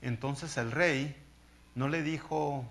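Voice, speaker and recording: A man's voice: a little high, takes it slowly, vocal fry, a bit bright. A man preaching a sermon, telling the story in a conversational way and often checking in with his listeners.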